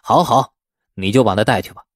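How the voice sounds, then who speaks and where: A man's voice: fairly low pitch, fairly quick, no room sound, studio quality, natural voice. A man voicing an eager, grateful village father in an audiobook, speaking effusively. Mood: delighted.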